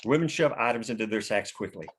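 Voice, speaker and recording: A man's voice: fairly low pitch, fast talker, a bit bright, husky. A man narrating stage directions from a screenplay in a scripted table-read style.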